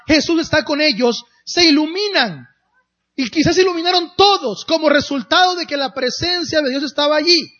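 A man preaching a sermon as pastor, with dramatic pauses and drawn-out emphatic phrases. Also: very high-pitched, sharp tone, highs cut off.

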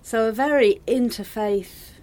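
A woman hosting a relaxed, conversational interview. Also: fairly high pitch, a little slow. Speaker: interviewer and host.

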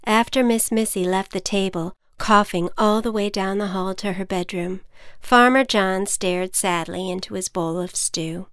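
A woman reading a children's storybook aloud in an expressive, playful way, recorded on a close mic. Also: mid-range voice, moderate pace, smooth, no echo.

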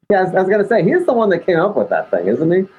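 A middle-aged man and band member, reminiscing wryly in a relaxed, husky voice. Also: sits high, quick pace, narrow, tinny audio. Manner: reminiscing, wry, relaxed storytelling. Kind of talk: casual interview chat.

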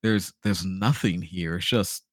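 A man with a fairly low voice hosts a casual podcast. He talks informally and slangily, dropping in imagined quotes. The sound is dry and close. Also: measured pace, dry recording. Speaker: podcast host. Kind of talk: casual chat.

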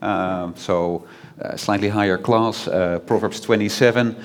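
A Dutch-accented man preaching in a church hall, his voice sitting a little low. He talks in an easygoing, conversational way, stopping often for ums and restarting his sentences. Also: fairly even intonation, measured pace. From Netherlands. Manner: chatty, many fillers and restarts. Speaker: guest preacher. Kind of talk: informal sermon.

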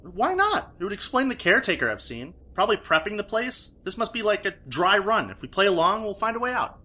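A woman playing a skeptical young character who is sarcastic and dismissive, quick to explain everything away. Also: mid-range voice, sing-song, pushed and bright. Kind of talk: audio drama acting.

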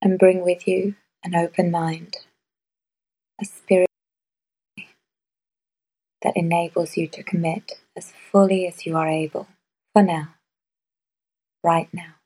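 Slow, soft-spoken woman guiding meditation. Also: on the low side, little pitch movement, rough recording. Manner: soft, slow, measured with long pauses. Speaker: meditation guide. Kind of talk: guided meditation.

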